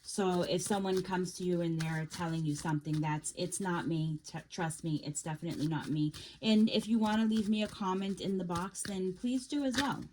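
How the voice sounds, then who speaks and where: Soft-spoken woman giving a tarot reading. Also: fairly low pitch, slight background noise. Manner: meandering, halting, with many fillers and restarts; gentle, reassuring second-person advice. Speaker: tarot reader. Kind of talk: casual tarot reading to camera.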